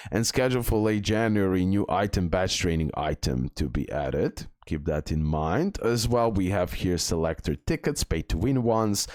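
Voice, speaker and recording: A man's voice: low voice, darkish tone, no echo, studio quality. A man giving casual commentary on game news and talking through images on screen, with frequent filler sounds. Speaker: gaming video creator.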